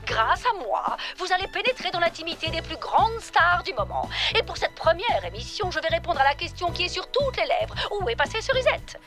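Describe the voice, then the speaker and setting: A woman's voice: very high-pitched, big pitch swings, a little fast, few pauses, over music, exaggerated voice. A woman voicing a vain, bossy celebrity TV reporter in a French cartoon, gushing and melodramatic. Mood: grandiose. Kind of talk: French animated cartoon dubbing.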